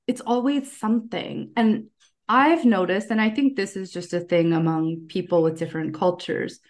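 A woman with an American accent chatting casually as a podcast guest, telling personal stories in an animated way. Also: medium pitch, normal speed. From United States. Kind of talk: casual conversational storytelling.

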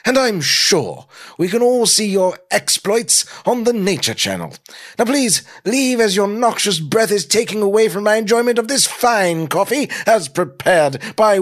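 Snobbish British gent, pitched high, pompous and florid, swooping delivery. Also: male voice. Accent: put-on British. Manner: pompous, florid, over-enunciated. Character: haughty, snobbish British gentleman coffee patron, easily outraged.

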